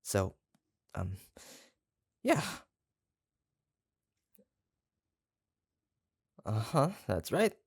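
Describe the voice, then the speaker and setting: An obsessive yandere kidnapper from a roleplay audio drama, acted by a voice performer, speaking slowly in a creaky, fry-laden voice. The delivery is doting and possessive, yet awkward and hesitant, rambling along in a close, dry recording. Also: medium pitch, big pitch swings, no echo, exaggerated voice. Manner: hesitant, rambling, soft-spoken menace with nervous chuckles.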